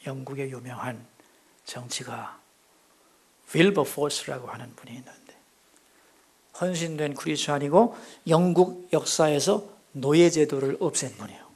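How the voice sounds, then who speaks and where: A middle-aged male pastor preaching a Sunday sermon, asking the congregation questions and swinging between loud exclamations and hushed near-whispers. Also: a little high, normal speed, long pauses, slightly rough. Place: church sanctuary.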